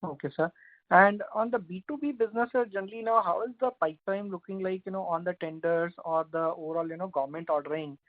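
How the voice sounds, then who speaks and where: A man's voice: sits high, fast talker. A man asking business questions as an analyst caller. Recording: narrow, tinny phone line.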